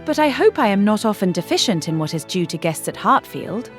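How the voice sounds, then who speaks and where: An actress playing a self-assured young gentlewoman in a period audiobook, speaking politely and formally. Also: medium pitch, big pitch swings, a little fast, soft background music, lightly acted. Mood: gracious. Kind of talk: period novel audiobook acting.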